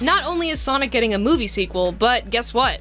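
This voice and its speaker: Music plays behind a woman with a fairly high pitch. Her intonation is lively. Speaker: voiceover narrator. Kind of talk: news update narration.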